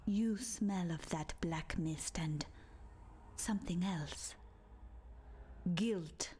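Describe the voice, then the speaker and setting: A woman playing a solemn tribal seer in a video game, speaking cryptically in a hushed, breathy, husky voice. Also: fairly low pitch, drawn-out words, a little hiss or hum. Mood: ominous, mystical. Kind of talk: video game dialogue acting.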